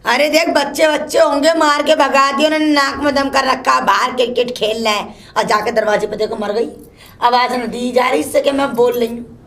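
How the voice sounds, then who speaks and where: A woman's voice: fairly even intonation, normal speed, a bit bright. A woman playing a scolding old mother-in-law who curses and complains nonstop. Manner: shrill, cursing, complaining nonstop. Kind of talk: solo comedy sketch.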